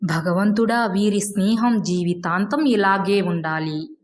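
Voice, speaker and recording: A woman's voice: medium pitch, slow pace, lightly acted. A woman voicing an affectionate, watchful mother elephant in a children's story, with a motherly manner. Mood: touched, approving.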